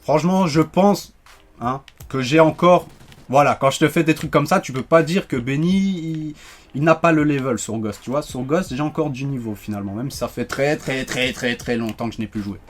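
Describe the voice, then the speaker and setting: A man giving joking, animated commentary while playing a shooter, ranting when things go wrong. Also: medium pitch. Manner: animated, joking, quick to rant when frustrated. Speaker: gaming YouTuber. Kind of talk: live gameplay commentary.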